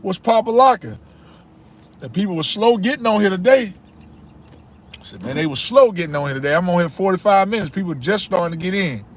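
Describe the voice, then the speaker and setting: A man's voice: high-pitched, expressive, brisk. Guy in his 30s chatting on a livestream, easygoing, says things twice, faint noise behind him. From Charlotte, North Carolina. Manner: laid-back, chatty, repeats himself. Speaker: livestream host. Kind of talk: casual live chat reading comments.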